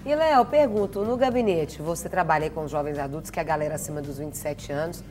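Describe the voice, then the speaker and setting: A woman's voice: low-pitched, fast talker, a little mellow. A woman hosting a talk show, asking playful questions. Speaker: TV show host. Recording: faint music behind.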